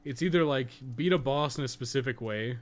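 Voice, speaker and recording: A man's voice: mid-range voice, a little fast. A man giving casual, rambling live-stream game commentary, swearing and joking with his chat as he plays.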